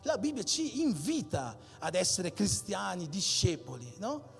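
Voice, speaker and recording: A man's voice: high-pitched, sing-song, unhurried, creaky, breathy edge. A man preaching a sermon as pastor, driving points home with repeated emphatic phrases. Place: church hall. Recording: long hall reverb with faint music.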